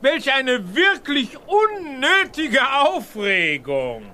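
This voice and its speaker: An actor playing a shady businessman in a children's audio drama, placating people in theatrical, drawn-out phrases. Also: very high-pitched, huge pitch swings, sharp tone, heavily acted. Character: smooth-talking shady male businessman placating a crowd. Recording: noisy crowd behind the voice.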